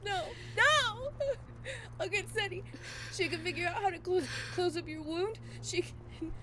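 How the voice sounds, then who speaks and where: A woman's voice: very high-pitched, a little slow, bright, forceful tone, heavily acted. A woman playing a stubborn, loyal friend in an audio drama, crying and stammering with grief. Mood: desperate, refusing. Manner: stammering, sobbing, protesting.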